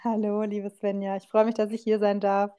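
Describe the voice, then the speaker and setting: A woman's voice: mid-range voice, completely flat delivery, normal speed, mellow, smooth. A woman in her forties from Berlin, a therapist talking as a podcast guest in a candid, chatty, colloquial way with plenty of fillers. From Berlin, Germany. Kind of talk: casual podcast interview.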